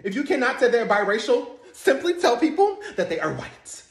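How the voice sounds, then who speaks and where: A comedian voicing a shrill, entitled rich housewife who talks down to everyone around her. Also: very animated, moderate pace. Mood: scolding. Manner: indignant, haughty, shrieking. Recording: roomy sound with faint music.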